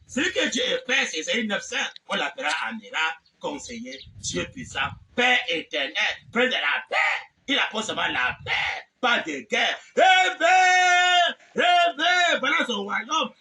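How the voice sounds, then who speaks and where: Fervent high-voiced man preaching. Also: vocal fry. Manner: fervent, shouting, punctuates with repeated amens. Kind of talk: sermon. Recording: distant mic with faint background noise.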